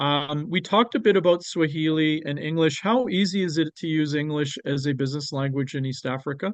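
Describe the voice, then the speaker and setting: Speaking with a Canadian accent and an ordinary speaking voice, a man talks at a moderate pace and a fairly high pitch with ordinary pitch variation. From Canada. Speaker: international trade consultant. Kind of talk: webinar presentation.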